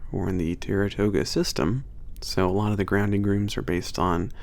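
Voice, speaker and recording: A man playing a laid-back, cocky werewolf trainer at a spaceport in an ASMR roleplay, talking casually with teasing, swearing and halting phrases. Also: lowish voice, steady tone, creaky, a little mellow. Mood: relaxed, fond. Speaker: trainer showing a new hire around. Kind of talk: ASMR roleplay, casual one-sided conversation.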